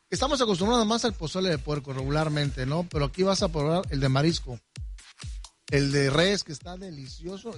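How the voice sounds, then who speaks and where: A man with a Mexican Spanish accent, a chef enthusiastically listing dishes one by one on a live radio remote from a hotel restaurant. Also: on the high side. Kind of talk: on-air promotional chat.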